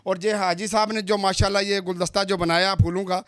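A man's voice: high voice, flat delivery, fairly quick, a bit bright, no echo, clean studio sound. A man answers an interview in a crowded indoor office. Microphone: handheld mic.

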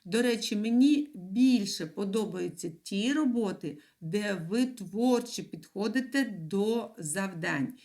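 A woman teacher giving a video lesson to young children, stressing words slowly and clearly with a sing-song lilt. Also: medium pitch, animated, a little mellow. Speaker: primary school teacher.

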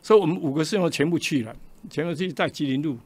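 Speaking quickly in a slightly rough, somewhat high voice, an older Taiwanese-accented man recounts a personal story as a radio interview guest. He animatedly performs each quoted line with changing voices.

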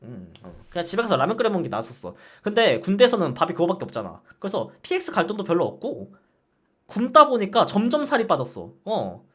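A man's voice: quick pace, husky. A man in his twenties chatting casually on a stream, ranting with lots of swearing and laughter. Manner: profane, animated ranting with frequent laughs; acts out barked military quotes in a low voice. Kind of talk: casual streaming chat, reacting to a ranking game.

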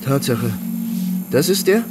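An actor playing a blunt younger brother being questioned by police in an audio drama, talking in loose slang. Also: male voice, mid-range voice, animated, slow, loud music behind the voice. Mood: stunned. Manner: colloquial, blunt. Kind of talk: German radio play dialogue.

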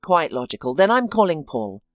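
A woman reading as a calm, steady male friend. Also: low voice, moderate pace, no echo, clean studio sound, soft background music. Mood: matter-of-fact.

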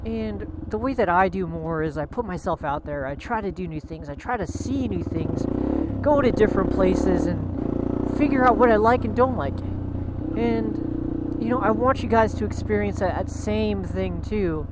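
Young man vlogging over loud motorcycle noise. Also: sits high, expressive, moderate pace. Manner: rambling, reflective, heavy use of "you know" and "like". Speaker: motovlogger. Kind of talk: motovlog monologue while riding. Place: outdoors on a moving motorcycle on suburban roads. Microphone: helmet-mounted action camera. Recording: loud wind and engine noise.

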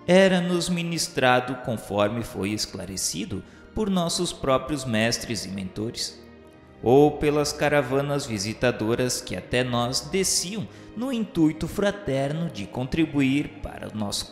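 A Brazilian man narrating a scripted audio drama in a solemn, formal literary manner. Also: medium pitch. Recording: roomy long reverb, music underneath. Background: music.

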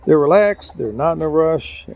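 An actor playing a courteous, chatty small-town police captain in a radio drama, with a husky, gravelly voice. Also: male voice, on the high side, expressive, normal speed, darkish tone. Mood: friendly.

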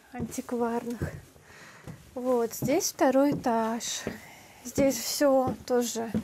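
Filming herself at arm's length with a handheld camera, a young adult woman teaches Russian slowly and clearly to learners, moving between a country house and its yard. Her high voice is soft and mellow, her explaining calm and unhurried, with a little hiss or hum in the audio.

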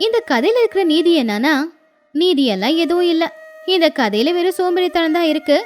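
A woman narrates a children's village tale in a high voice, with music playing behind her. The delivery is scripted storytelling. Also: expressive, fairly quick.

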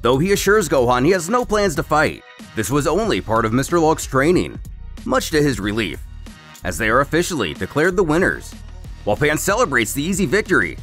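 A man's voice: fairly high pitch, very animated, a little fast, a bit bright, faint music behind. A man narrating a scripted story recap as a host, in a storyteller's delivery.

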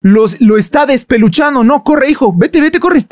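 A man giving playful, joking commentary while playing a game, breaking into squeaky exclamations. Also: animated, moderate pace, a little mellow, no echo. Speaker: gaming youtuber. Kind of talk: let's play commentary.

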